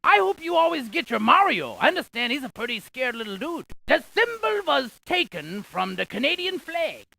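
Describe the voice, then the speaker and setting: A woman playing an excitable, quirky scientist in an educational game, reciting landmark trivia with theatrical emphasis and playful quips. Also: high voice, moderate pace, gravelly, few pauses, exaggerated voice, low-quality recording. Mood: cheerful, informative. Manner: theatrical, quippy, exaggerated emphasis.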